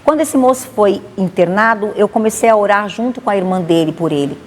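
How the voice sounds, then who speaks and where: A woman pastor with a Bahian accent, giving a lively spoken testimony and acting out the dialogue. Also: medium pitch, brisk, soft background music. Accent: Bahian Portuguese. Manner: animated, acts out dialogue. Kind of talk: testimony storytelling. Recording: long reverb, faint noise.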